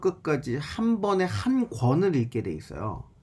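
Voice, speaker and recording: A man mumbles his words. His pitch swings very widely. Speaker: pastor teaching Bible to church teachers. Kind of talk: online Bible lecture. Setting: recording alone for online class. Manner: mumbled pronunciation, low energy. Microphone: laptop built-in mic, uneven volume.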